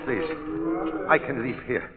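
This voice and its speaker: An actor playing a timid, cowering servant in old radio drama style, pleading in halting, broken English. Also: male voice, medium pitch, close to an everyday voice. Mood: terrified. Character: timid, frightened male servant, cowering and subservient. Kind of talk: 1940s radio drama acting. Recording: dull old radio recording, noisy.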